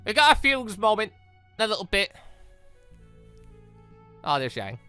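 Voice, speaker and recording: A man's voice: sits high, sing-song, unhurried, sharp tone, smooth, no echo. A man hosting a casual visual novel playthrough, commenting as he goes, with game music behind him. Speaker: gaming video host.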